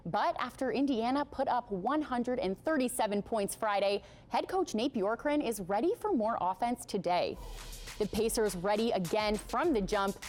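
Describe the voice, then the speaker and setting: A woman's voice: on the high side, expressive, normal speed, a little mellow, soft background music. A woman with an American accent reading a scripted sportscast as anchor.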